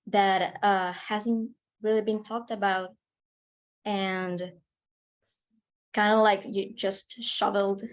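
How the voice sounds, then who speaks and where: A woman speaks at a slow pace on a video call, offering personal testimony. She is halting and often searches for the next word, at a middling pitch. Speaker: audience participant in an online discussion.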